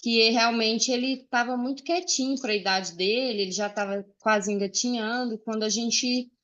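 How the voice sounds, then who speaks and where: A woman's voice: fairly high pitch, fairly bright tone, highs cut off. Earnest woman in her 40s. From Uberlândia, Minas Gerais, Brazil. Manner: earnest, pausing often with "é" and "né". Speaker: guest speaker. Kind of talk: personal testimony in a friendly chat. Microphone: video call.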